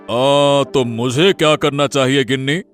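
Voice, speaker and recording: A man's voice: medium pitch, a little slow, faint music behind, close to an everyday voice. A man voicing an easygoing, good-natured village husband in a cartoon story who likes to tease. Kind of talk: cartoon voice acting.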